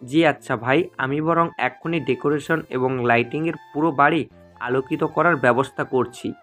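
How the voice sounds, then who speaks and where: Male actor as a servile henchman, medium pitch, eager, obedient, audio drama, faint music behind. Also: moderate pace, a bit bright, natural voice. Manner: gleefully servile. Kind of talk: Bengali audio story voice acting. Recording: music under the voice.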